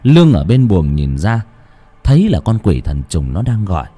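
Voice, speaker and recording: A man narrating a ghost story in a dramatic, expressive storytelling manner. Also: low-pitched, moderate pace, breathy edge.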